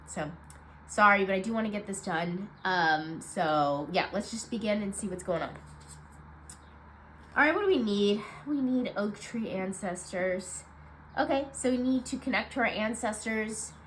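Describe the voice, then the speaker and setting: A woman with a stuffed-up, nasal voice giving a casual weekly card reading, low on energy and rambling with many fillers. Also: unhurried, fairly bright tone, slight background noise. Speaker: tarot card reader.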